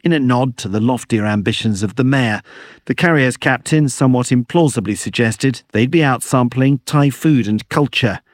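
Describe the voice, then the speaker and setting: Measured man reading a radio dispatch. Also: mid-range voice, no echo, studio quality. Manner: measured, wry narration. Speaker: foreign correspondent.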